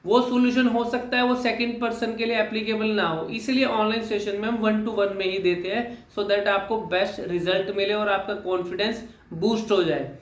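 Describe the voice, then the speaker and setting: Young male speech coach, high-pitched, explains step by step with repeated phrases; echoey room. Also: fairly even intonation, moderate pace, few pauses. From Haryana, India. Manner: mixes English terms into Hindi, repeats phrases for emphasis. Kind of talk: explanatory lesson talk.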